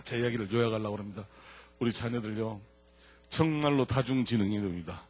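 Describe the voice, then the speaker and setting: Husky older man. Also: mid-range voice. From Jeolla, South Korea. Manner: animated, swings between loud punchlines and quiet asides. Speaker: church elder giving a testimony talk. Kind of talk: lively storytelling testimony to an audience.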